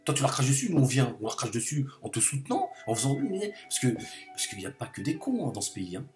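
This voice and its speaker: A man's voice: mid-range voice, huge pitch swings, fast talker, a little mellow, faint music behind. A man delivering an impassioned political monologue to camera, hammering his points by repeating phrases over and over. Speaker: video commentator.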